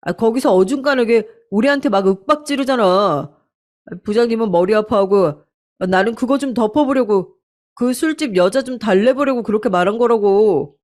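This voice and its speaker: A woman's voice: a little high, normal speed, darkish tone, close to an everyday voice. A woman playing a blustering, defensive young husband. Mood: defensive angry. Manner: defensive, irritable, brushing off accusations. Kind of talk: radio story acting.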